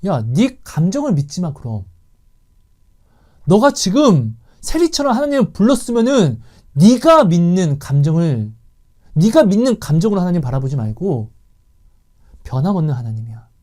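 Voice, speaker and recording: A man's voice: high voice, sing-song, normal speed, long pauses, dark tone. Earnest man giving a faith testimony. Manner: earnest, emotional, acts out dialogues. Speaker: Christian testimony speaker. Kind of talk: personal faith testimony and counseling.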